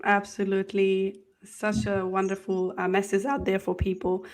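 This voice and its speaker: A woman's voice: medium pitch, little pitch movement, moderate pace. A woman hosting an online interview show, welcoming viewers and introducing her guest with frequent fillers. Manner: warm welcoming, hesitant with fillers. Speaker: host.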